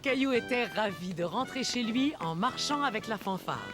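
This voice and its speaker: A woman playing a gentle storybook narrator, telling a children's cartoon story in scripted narration. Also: a little high, animated, normal speed, over music, close to an everyday voice. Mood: pleased.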